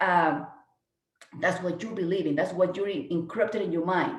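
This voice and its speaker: Speaking at a moderate pace in a Spanish accent, a woman with a medium-pitched voice is heard against audible room echo. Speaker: real estate agent. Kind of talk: motivational talk. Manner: halting, with fillers and restarts.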